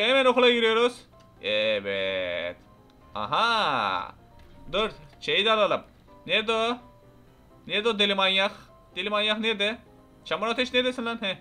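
A man's voice: high-pitched, very animated, brisk, pushed and bright. A young man giving casual, rowdy gameplay commentary, chatting to viewers and mock-threatening game characters. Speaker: gameplay YouTuber. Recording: faint music behind.

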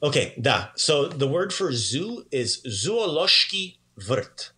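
A man teaching a casual language lesson in an upbeat, chatty way, repeating words slowly for learners. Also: fairly high pitch, very animated, pushed and bright.

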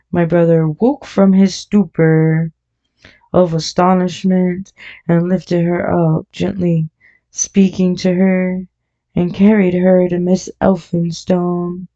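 A woman narrating an audiobook in a measured, deliberate scripted reading. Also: on the low side, mellow. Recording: dull lo-fi audio.

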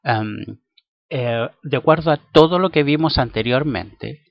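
A man's voice: medium pitch, measured pace, creaky. A man whose first language is Spanish, teaching an English grammar lesson in a playful way, repeating words aloud to drill pronunciation. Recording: dull lo-fi recording.

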